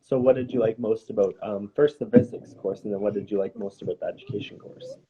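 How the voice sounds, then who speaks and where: A man's voice: lowish voice, fast, mellow. A man hosting a conversational live question-and-answer interview, encouraging and often rephrasing his questions. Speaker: host interviewer. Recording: dull lo-fi, faint noise.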